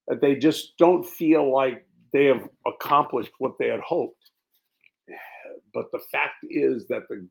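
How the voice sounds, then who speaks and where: A man delivers a sermon at an unhurried, measured pace, his pitch sitting in the middle range. He stacks phrases into emphatic lists and lets them fall away softly. The delivery is deliberate and earnest throughout. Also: creaky, low-quality recording. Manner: slow, deliberate preaching with emphatic lists and quiet drops. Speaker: preacher. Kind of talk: Easter sermon.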